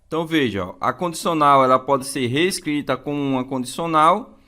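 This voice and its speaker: A man's voice: on the high side, expressive, fairly quick, sharp tone. Brazilian man teaching, didactic and repetitive. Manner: didactic, repeats key phrases, checks in with listeners. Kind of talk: explanatory exam-prep lesson.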